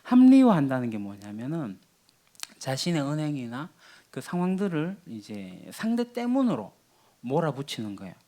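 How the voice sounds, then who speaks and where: A man's voice: fairly high pitch, wildly swooping pitch, normal speed, warm tone. A man preaching a sermon as pastor, teaching in a conversational way with rhetorical questions. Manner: teaching, acts out quoted lines of everyday quarrels.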